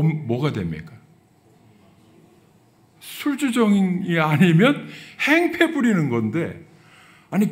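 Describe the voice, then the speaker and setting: A middle-aged man, a pastor, preaching a sermon and telling a story, his voice swinging from soft to loud. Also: sits high.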